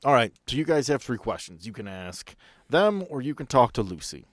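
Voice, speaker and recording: A man's voice: medium pitch, very animated, brisk, no echo, studio quality. A man acting as game master, narrating a tabletop role-playing game informally and putting questions to his players.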